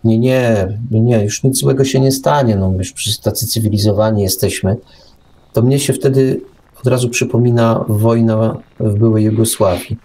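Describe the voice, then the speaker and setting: A man's voice: lowish voice, fairly even intonation, moderate pace, dark tone, low-quality recording. A man co-hosting a talk show, giving an opinionated, sarcastic monologue with emphatic rhetorical questions and repeated words. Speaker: radio show co-host and commentator.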